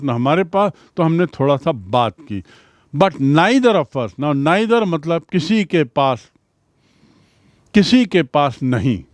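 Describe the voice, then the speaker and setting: A male teacher speaks in a slightly raised pitch at an unhurried, deliberate pace, with a dry and close sound. He reads English sentences aloud slowly and then explains each word, as in a recorded classroom lesson. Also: no room sound.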